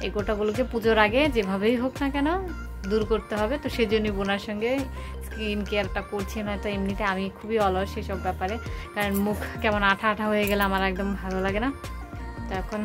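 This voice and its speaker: A woman's voice: medium pitch, fairly even intonation, quick pace. Young female vlogger, Bangladeshi Bengali accent, casual running commentary on chores, music bed under her. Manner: chatty, narrates her daily chores as she goes. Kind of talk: casual vlog narration.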